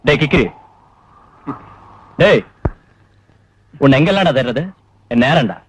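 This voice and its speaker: An actor playing a young village landlord's son who is gruff and bullying, in a dry, dull film recording. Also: male voice, medium pitch, lively intonation, a little slow, slight background noise, natural voice. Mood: impatient. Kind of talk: 1990s film dialogue.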